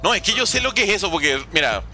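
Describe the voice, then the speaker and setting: During a casual livestream, a nineteen-year-old gamer from Venezuela jokes sarcastically while responding to viewers. His high voice swings widely in pitch and sounds pushed and bright, moving at a quick pace. Soft music plays in the background.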